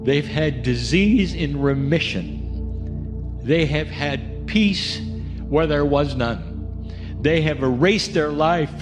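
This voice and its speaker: A man leading a guided spiritual meditation, speaking gently and coaxing listeners along with many questions. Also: fairly high pitch, slow pace. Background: music.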